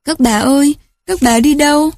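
A woman's voice: high-pitched, moderate pace, a little mellow, dry recording, clean studio sound, pitched above the performer's own voice. A woman voicing an indignant young peasant boy, the older of two brothers, in a storybook reading. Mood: pleading.

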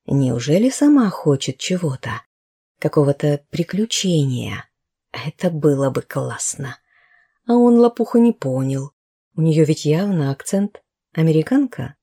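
A woman's voice: lowish voice, mellow. A woman narrating a story as an audiobook, in a wry, conversational way with colloquial turns.

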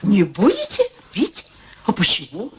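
A woman's voice: mid-range voice, wildly swooping pitch, unhurried, background noise. An actress playing a naive, gushing, inquisitive elderly mother who loves to matchmake in a radio play. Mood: astonished, curious. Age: older.

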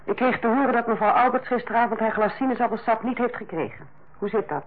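An actress playing a stern, sarcastic head nurse who lectures and bites in a Dutch radio play. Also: female voice, on the high side, fairly even intonation, quick pace, slight background noise, close to an everyday voice. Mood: stern, reproachful. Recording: muffled old radio play recording.

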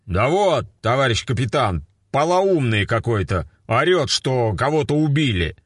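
A man voicing a fat, sleepy police sergeant who talks rough and grumbles. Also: mid-range voice, very animated, unhurried, no room sound, clean studio sound, pitched above the performer's own voice. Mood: grumbling, rough.

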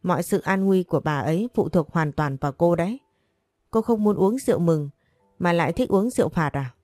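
A woman's voice: fairly low pitch, brisk, mellow, no room sound, clean studio sound, soft background music, natural voice. A woman voicing a menacing middle-aged male gang boss in a storybook, speaking coldly and threateningly. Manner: cold, threatening.

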